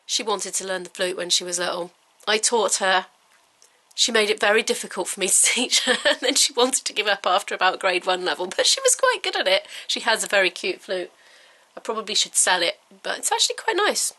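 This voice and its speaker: A woman's voice: mid-range voice, expressive, a little fast, pushed and bright. A middle-aged woman vlogging at home, chatting casually and wryly about her own bits and pieces as she sorts through them. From living in Wales. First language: English. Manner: chatty, self-mocking, breaks into little sung notes. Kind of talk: casual vlog chat while decluttering.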